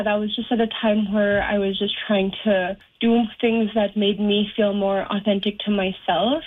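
A young woman, a singer and guitarist, answering interview questions casually, with many pauses and fillers. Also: medium pitch. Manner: soft-spoken, hesitant, many ums and likes. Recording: tinny phone-like sound.

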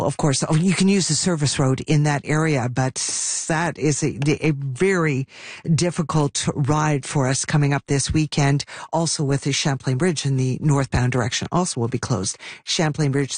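Brisk man reading radio traffic. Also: a little high, dry recording. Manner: brisk, matter-of-fact. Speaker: traffic reporter.

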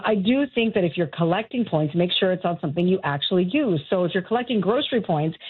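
A woman who writes a personal finance column gives steady, explanatory advice in a radio interview over a landline phone. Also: fairly low pitch, husky. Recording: tinny phone line.

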